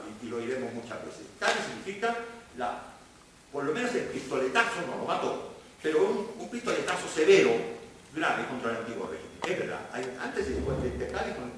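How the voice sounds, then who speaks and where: A man giving an academic lecture as a professor, posing rhetorical questions and answering them himself with theatrical emphasis. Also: mid-range voice. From Spain. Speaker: history professor, guest speaker. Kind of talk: academic lecture delivered to a live audience. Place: indoor seminar hall. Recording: echoey room, distant mic, noisy background.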